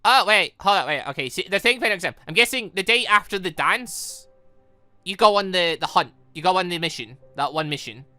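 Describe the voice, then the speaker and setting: A man giving casual, rambling and excitable commentary while playing a visual novel. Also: high voice, brisk, no echo, soft background music. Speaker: gaming video host reading a visual novel aloud. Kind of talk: casual playthrough commentary with dialogue read aloud.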